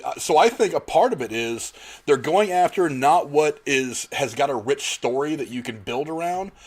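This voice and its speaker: A man hosting a casual panel discussion, rambling a little as he talks at length. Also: medium pitch. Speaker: podcast host moderating a discussion.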